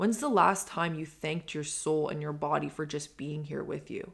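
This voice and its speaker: At a moderate pace, a woman speaks in a warm tone with a very deep, low pitch. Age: 20s. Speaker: podcast host. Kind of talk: solo podcast monologue, casual and reflective, off the cuff. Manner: conversational, candid, warm and earnest; improvised, unscripted, rambling and heartfelt.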